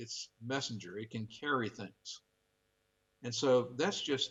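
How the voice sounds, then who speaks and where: This man has an unremarkable speaking voice, medium in pitch with ordinary variation. He keeps a moderate pace. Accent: American. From US, San Francisco. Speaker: creation scientist answering viewer questions. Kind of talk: live TV Q&A answer. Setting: remote link on live TV.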